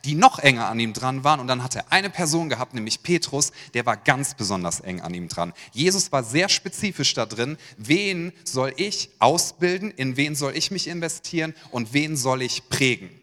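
A male pastor preaching a sermon to his congregation in a direct, lively way, asking them questions. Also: medium pitch, normal speed, few pauses. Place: church hall. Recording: long church-hall reverb.

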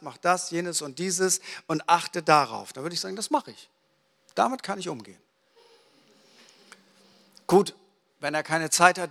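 A man delivers a sermon in a lively storytelling manner, slipping into little acted-out exchanges. His voice is bright and sits a bit high. It carries with a long reverb through a large hall. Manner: lively storytelling, acts out dialogue. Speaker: preacher.

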